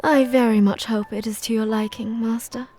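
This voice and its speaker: A woman playing a pale, eerie, courteous maid in an audio drama, with formal, archaic, measured speech. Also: fairly high pitch, steady tone, darkish tone, slight background noise, close to an everyday voice. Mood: courteous, inviting. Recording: music behind the voice.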